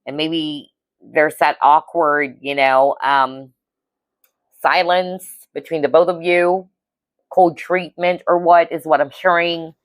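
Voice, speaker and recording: A woman's voice: low-pitched, fairly even intonation, slow pace, no room sound. A woman giving a casual tarot reading to viewers, chatty and reassuring, often checking in with "okay?". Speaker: tarot reader.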